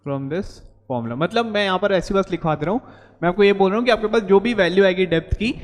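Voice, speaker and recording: A man's voice: high voice, quick pace. A male engineering lecturer with an Indian accent, teaching at a board and repeatedly asking a question and then answering it. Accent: Indian English. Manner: repeats his own questions and answers them. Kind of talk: whiteboard lecture in Hindi-English mix. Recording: long hall reverb.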